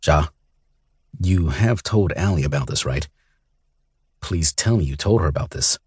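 A man voicing a hard-bitten male bounty hunter who talks in a cool, dry, resigned way, with a husky voice. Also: rumbling low, animated, a little slow, darkish tone, dry recording, heavily acted. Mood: weary.

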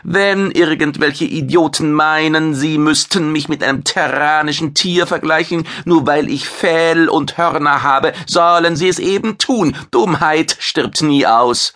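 A bragging horned alien cook, with a man putting him on speaks in a hard, clipped way. His voice sits well above the narrator's and comes out loud and proud. It is an audiobook figure who savours his own words. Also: on the high side, measured pace, hardly any pauses, voice pushed up. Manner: boastful, blustering.

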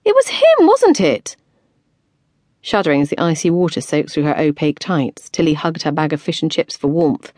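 A woman narrator voicing a feisty, quick-tempered woman in her late twenties, with sharp, indignant delivery. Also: steady tone, no echo, clean studio sound, lightly acted. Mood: outraged. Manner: indignant outbursts, shrill when cross.

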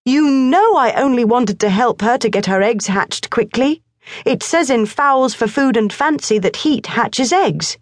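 A woman's voice: on the high side, animated, measured pace, no room sound, clean studio sound, voice pushed up. A woman voicing an anxious, earnest young boy in a storybook reading. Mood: earnest pleading. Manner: pleading, earnest. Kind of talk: audiobook character voice.

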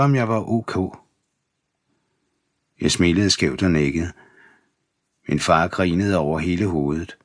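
A man reading a first-person memoir aloud as an audiobook narrator, in a measured, steady voice. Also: fairly low pitch, dry recording, studio quality. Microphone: close studio mic.

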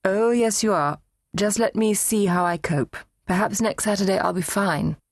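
A woman voicing a proud, sharp-tongued elderly mother who needles her grown daughter in an arch, dry way. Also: mid-range voice, moderate pace, no echo, pitched above the performer's own voice, lightly acted. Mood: wry. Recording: dry, close studio read.

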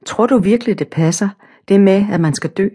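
A woman's voice: mid-range voice, mellow, breathy edge, lightly acted. A woman reading a storybook, voicing a curious young woman who keeps asking probing questions. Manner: wondering, probing.

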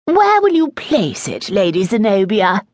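A woman's voice: medium pitch, huge pitch swings, no echo, pitched above the performer's own voice. A woman playing an arch, cutting aristocratic mother. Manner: arch, sarcastic, measured delivery. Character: haughty aristocratic older mother, cutting and dry.

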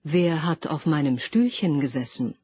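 Fussy, kindly fairy-tale dwarfs read by a woman, husky and dry, dull audiobook recording. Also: low voice, animated, normal speed, no room sound. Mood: puzzled. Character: seven kindly little male dwarfs, fussy.

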